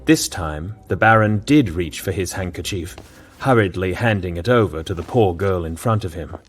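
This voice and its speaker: Male narrator with a low voice. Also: expressive, soft background music. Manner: measured, storytelling. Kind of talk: scripted audiobook narration.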